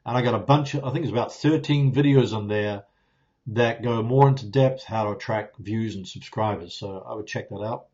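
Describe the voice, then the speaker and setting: A Kiwi YouTuber with a voice on the low side talks at normal speed through viewer questions in a casual live Q&A, relaxed and rambling with lots of fillers and restarts. Recorded on a phone with a clip-on lapel mic in a home studio with ring light, softboxes and plants, the audio has its highs cut off.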